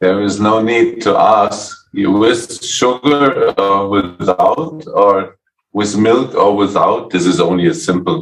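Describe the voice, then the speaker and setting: With a German accent, a man talks at a very slow pace and very even loudness. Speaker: devotee. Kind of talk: religious discussion. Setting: video call.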